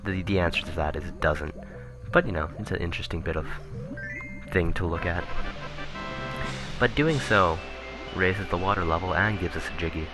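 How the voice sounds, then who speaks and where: A man commentating casually on a video game he is playing, rambling and correcting himself, his voice turning raspy. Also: deep voice, moderate pace. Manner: rambling, self-correcting, chuckling asides. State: voice getting raspy. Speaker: let's play commentator. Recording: game music playing behind.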